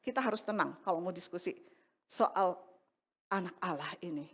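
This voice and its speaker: A woman's voice: lowish voice, normal speed. A middle-aged woman preaching a sermon in church, telling a personal testimony and acting out the voices in her story. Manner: animated storytelling, acts out dialogue.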